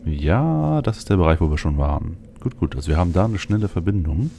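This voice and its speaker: A man's voice: low voice, animated, a little fast, vocal fry, dark tone, a little hiss or hum. A man giving casual video game commentary as a let's play host, thinking aloud as he goes. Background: faint game ambience.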